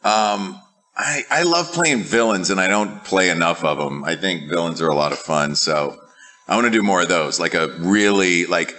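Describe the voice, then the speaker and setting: A man's voice: low voice, normal speed, pushed and bright. A man who works as a voice actor, talking hesitantly with many fillers. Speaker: voice actor guest. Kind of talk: casual panel chat.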